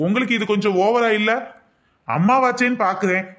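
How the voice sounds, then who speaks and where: A man's voice: sits high, a little fast, a bit bright. A man playing a clever husband and son in a cartoon, coaxing his mother and firm with his wife. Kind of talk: cartoon voice acting.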